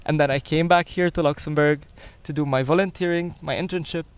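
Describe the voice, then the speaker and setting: A man's voice: on the high side, steady tone, fairly quick, clear, resonant tone. A young man from Lebanon, explaining things articulately in a conversational interview. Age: young adult. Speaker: interview guest, young environmental scientist.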